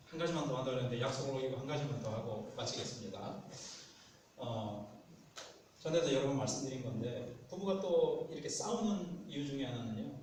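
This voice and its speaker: A man's voice: medium pitch, darkish tone, a little hiss or hum. A man preaching a sermon as a pastor, telling folksy stories and acting out what spouses say to each other. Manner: folksy storytelling, acts out spouses' voices. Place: church sanctuary. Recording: echoey church sanctuary, distant mic.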